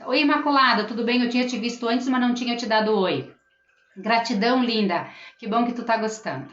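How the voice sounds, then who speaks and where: Here a middle-aged schoolteacher runs a relaxed live stream at home, speaking earnestly to her audience and reading out their comments. She talks a little fast in a fairly bright, higher-pitched voice, captured in a dull, roomy lo-fi home recording.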